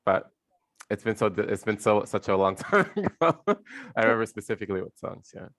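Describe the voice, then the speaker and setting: A man's voice: fairly low pitch, a little fast, no echo, clean studio sound. A man taking an online voice lesson, talking loosely about his singing with many "like"s over a video call. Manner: relaxed, rambling with many "like"s, laughs at himself. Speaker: voice student. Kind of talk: casual chat with a teacher.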